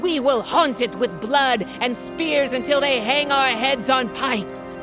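An imperious high-voiced tribal warrior queen. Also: slow, over music. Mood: rousing oration. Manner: imperious, declamatory, formal speech. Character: stern, commanding tribal wolf-clan queen, a mother. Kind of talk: fantasy audio drama acting.

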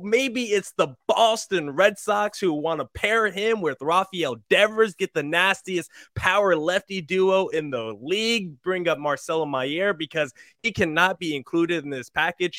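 A man's voice: high voice, fairly bright tone, dry recording, clean studio sound. A man guesting on a podcast in casual chat, enthusiastic and laughing as he talks. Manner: enthusiastic, laughs while talking.

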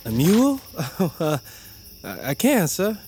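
An actor playing a shy young gardener who speaks deferentially, with hesitant stammers. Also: male voice, a little high, wildly swooping pitch, slow pace, background noise, exaggerated voice. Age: young adult.

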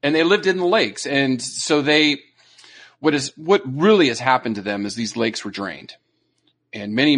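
A man's voice: medium pitch, a bit bright. A man co-hosting a podcast, explaining animal facts in a loose conversational way, often checking in with "you know" and "right?". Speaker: podcast co-host. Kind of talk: casual educational chat.

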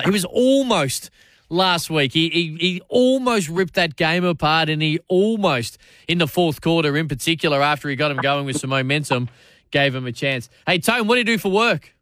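A man's voice: on the high side, animated, moderate pace, a bit bright, dry recording. An Australian man hosting sports talkback radio, matey and chatty, often restarting his phrases. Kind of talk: casual talkback commentary. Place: radio studio.

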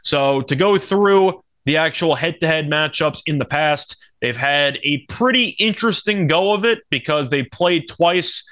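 A man's voice: on the high side, expressive, a little slow, hardly any pauses, sharp tone. A man speaking as a podcast host, giving conversational, analytical sports betting commentary.

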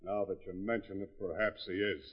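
A sly nightclub owner, very low. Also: male voice, fairly even intonation, a little fast. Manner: smooth, mocking, evasive. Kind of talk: 1950s radio drama. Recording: dull old radio recording.

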